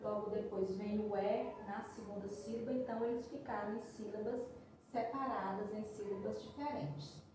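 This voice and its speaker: A woman's voice: mid-range voice, fairly even intonation. A woman teacher giving a recorded lesson, patiently spelling out words and checking in with her students as she goes. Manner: patient, spells out syllables slowly, checks in with "tá certo?". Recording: very echoey room, voice far from mic, faint noise.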